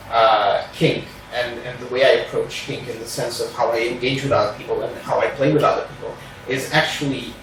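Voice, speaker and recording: A man's voice: medium pitch, slight background noise. A man from Portugal with a Portuguese accent, a non-native English speaker, giving a careful, hedging introductory talk to a reading group. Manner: careful, hedging, many "sort of" fillers. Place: room at a group meeting. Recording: very echoey room, mic far off.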